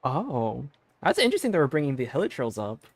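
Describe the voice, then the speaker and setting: A man's voice: medium pitch, huge pitch swings, fast talker, no echo. A man chatting casually as he livestreams a video game. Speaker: game streamer.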